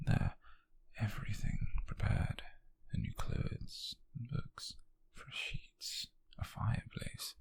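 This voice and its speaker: A British man playing a wealthy, possessive nobleman who is coolly controlling yet tender, in an intimate ASMR roleplay, with slow, condescending endearments in a husky near-whisper. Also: lightly acted. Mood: smooth, welcoming.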